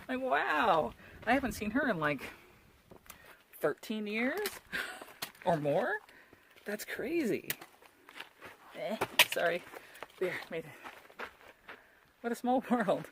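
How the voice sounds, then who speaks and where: A woman's voice: on the low side, noisy background. Chatty woman vlogging on a hiking trail. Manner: chatty, laughs often, self-deprecating. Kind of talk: casual vlog chat. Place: on a mountain trail outdoors, later at home.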